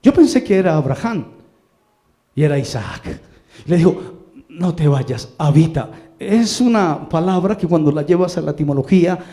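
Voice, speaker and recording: Colombian male pastor, sermon delivery, fairly high and gravelly, big swings from soft asides to shouts. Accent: Colombian Spanish. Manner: preaching with swings from quiet asides to shouted lines.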